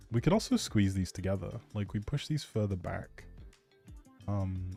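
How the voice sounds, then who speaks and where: Man, low mellow voice, casual livestream chat, rambling, hesitant, trails off, gaming host. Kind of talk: casual chatty livestream commentary, replying to chat. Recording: music playing behind the voice. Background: background music.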